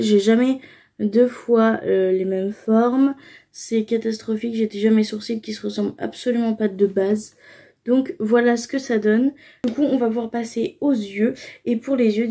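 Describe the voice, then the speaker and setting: A woman's voice: on the high side, dark tone, husky. A young woman casually talking through her makeup routine, explaining each step with frequent fillers. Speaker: beauty vlogger.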